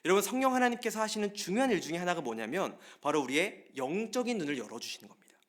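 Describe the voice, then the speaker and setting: Man, pastor; lively storytelling sermon, talks straight to the pews, swinging intonation. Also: high-pitched, racing. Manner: lively storytelling, often addresses the congregation directly. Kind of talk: Wednesday service sermon. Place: church sanctuary.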